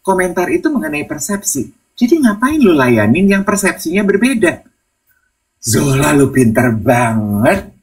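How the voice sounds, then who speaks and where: Animated man with a lively voice. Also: on the high side, unhurried, distant mic. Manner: animated storyteller, acts out quoted voices, mixes English. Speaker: podcast co-host. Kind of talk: casual chat, retelling conversations.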